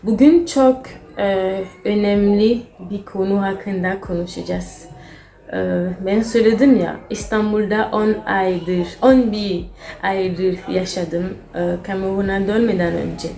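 Young Cameroonian woman, halting foreigner's broken Turkish. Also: medium pitch, warm tone. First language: not Turkish, a foreign learner. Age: young adult. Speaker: vlogger. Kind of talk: casual storytelling to camera. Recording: roomy echo, faint music.

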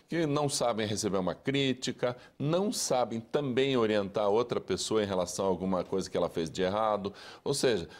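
Measured man explaining steps. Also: medium pitch. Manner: measured, lecturing, lists steps. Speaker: educator interviewed on TV. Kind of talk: explanatory interview answers.

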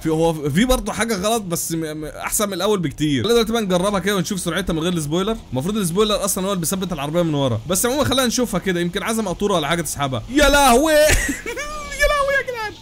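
A young man with an Egyptian Arabic accent giving excited gameplay commentary, exclaiming, laughing and talking straight to his viewers. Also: high voice, rapid-fire, slight background noise. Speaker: gaming YouTuber.

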